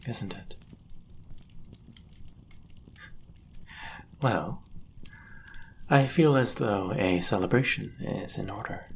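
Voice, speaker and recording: A powerful demon, acted by a man, speaks in a very deep voice thick with gravel. He is a devoted, possessive lover with formal, deliberate phrasing, unhurried and intimate, as in a fantasy audio drama. A faint noise sits behind the voice. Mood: adoring, hungry. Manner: formal, old-fashioned wording, deliberate. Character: powerful male demon, devoted, jealous lover bound to a sorcerer. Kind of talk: intimate scripted audio roleplay.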